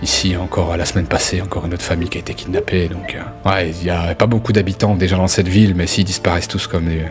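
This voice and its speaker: A man's voice: sits low, level tone, fast, hardly any pauses, close to an everyday voice. Man as plump fifties innkeeper, obliging, anxious, hesitant and repetitive, tabletop roleplay, music in the background. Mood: worried. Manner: deferential, hesitant, repeats himself. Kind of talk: improvised tabletop roleplay dialogue. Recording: music playing under the voice.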